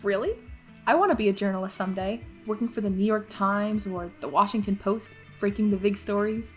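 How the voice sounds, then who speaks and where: A woman's voice: medium pitch, brisk, faint music behind, lightly acted. A woman playing an eager, ambitious teenage schoolgirl in an audio drama, talking informally and with enthusiasm. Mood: curious, eager.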